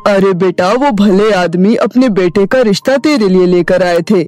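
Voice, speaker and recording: A woman voicing a kindly elderly father in a village, telling his daughter good news in an animated story. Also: medium pitch, normal speed, dry recording, faint music behind, natural voice. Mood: joyful. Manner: warm, fatherly and excited. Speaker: voice-over artist.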